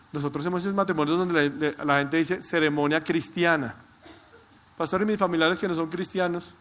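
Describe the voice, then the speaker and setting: A man preaching a sermon as pastor, stressing points by repetition and slowing down to read scripture. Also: on the high side, a bit bright.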